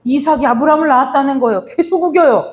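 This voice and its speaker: A woman's voice: high-pitched, quick pace. A middle-aged woman pastor preaching a sermon, telling a story to her congregation and acting out its lines of dialogue as she speaks to them directly.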